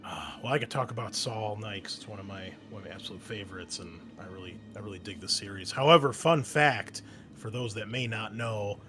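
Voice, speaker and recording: A man hosting a tabletop gaming podcast, chatting informally and enthusiastically with his players as game master. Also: lowish voice. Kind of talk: casual podcast intro and chat with players. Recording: noisy home podcast recording. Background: clear background noise and ambience.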